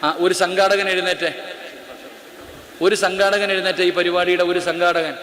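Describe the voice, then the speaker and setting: Male preacher, live sermon, commanding storyteller; slightly high voice, roomy hall reverb. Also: level tone, moderate pace, a bit bright, a little hiss or hum. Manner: commanding, bossy asides to the crowd, then dramatic storytelling. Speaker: Islamic preacher. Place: auditorium. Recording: echoey auditorium with long reverb.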